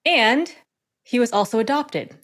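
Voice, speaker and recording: A woman's voice: fairly high pitch, lively intonation, measured pace, fairly bright tone. A middle-aged woman, an executive coach, chatting as a guest in an interview, friendly and thoughtful, laughing easily. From born in South Korea, raised in the United States. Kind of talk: casual interview conversation.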